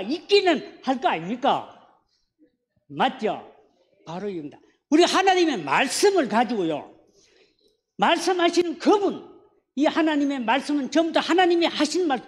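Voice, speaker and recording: A man with a Gyeongsang accent preaching a sermon as a pastor in a church, often asking the congregation questions. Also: very high voice. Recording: echoey church hall.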